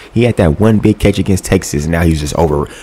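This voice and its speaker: Very deep and low, a man's voice moves at a fairly quick pace with ordinary pitch variation over light background noise. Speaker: sports reaction YouTuber. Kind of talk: casual game-highlight reaction commentary. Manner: animated, laughs often.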